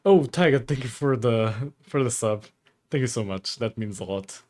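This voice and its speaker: Calm Portuguese-accented man streamer. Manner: deliberately lowered, calm voice; chuckles often between phrases. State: dry throat. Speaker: livestreamer. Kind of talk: casual stream chat reading viewer comments.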